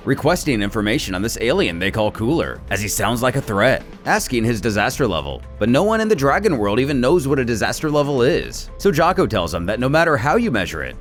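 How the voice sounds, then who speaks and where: A male host reads a scripted recap with an animated, storytelling delivery and the odd casual aside. His pitch is mid-range but swings widely. Soft background music plays under his voice. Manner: lively, expressive storyteller with asides. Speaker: channel host.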